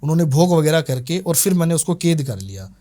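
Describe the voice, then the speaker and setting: A man's voice: a little high, fairly quick. A man in an interview, animatedly retelling an exorcism case and voicing the people in it. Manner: animated retelling, voices other people's lines. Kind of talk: storytelling interview.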